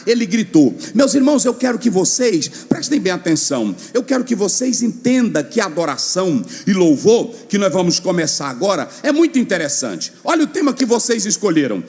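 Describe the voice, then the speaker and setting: A male preacher delivers a fiery sermon, his very high voice leaping up and down as he shouts and chants. He calls on the congregation to shout back. Long reverb from a big hall trails every phrase. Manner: shouting, sing-song preaching with call and response. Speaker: pastor. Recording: long echo of a large hall.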